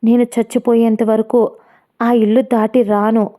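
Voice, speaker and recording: A woman's voice: on the high side, fairly even intonation, normal speed, dark tone, natural voice. A woman voicing a fearful but defiant young wife in a storybook reading, speaking with emotion. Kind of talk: storytelling narration.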